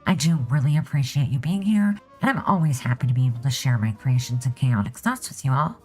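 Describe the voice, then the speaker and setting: Husky-voiced woman with a cold, low and lively. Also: fairly quick, soft background music. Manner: chatty, upbeat sign-off. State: losing her voice, has a cold. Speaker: game build creator narrating a speed build. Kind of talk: voiceover narration.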